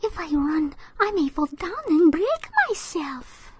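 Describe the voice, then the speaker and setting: A woman doing a high, dainty china princess. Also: expressive, slow pace, dry recording, clean studio sound. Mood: prim, timid. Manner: prim and delicate.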